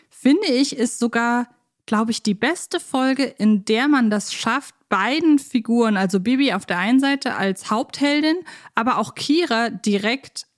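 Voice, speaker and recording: A woman co-hosting a podcast, chatting casually and enthusiastically. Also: a little high. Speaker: podcast co-host.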